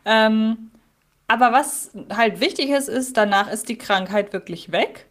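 A woman's voice: on the high side, measured pace, fairly bright tone. A woman co-hosting a podcast, giving earnest opinions and thinking aloud in casual talk. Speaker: podcast co-host. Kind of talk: casual episode discussion.

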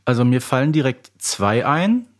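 A man's voice: medium pitch, big pitch swings, moderate pace, very noisy. A man chatting casually as a contestant in a podcast quiz. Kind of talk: casual chat.

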